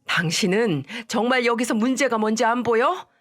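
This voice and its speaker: A woman's voice: a little high, moderate pace, pitched above the performer's own voice, lightly acted. Woman voicing a furious stern father-in-law. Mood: angry. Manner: shouting, scolding.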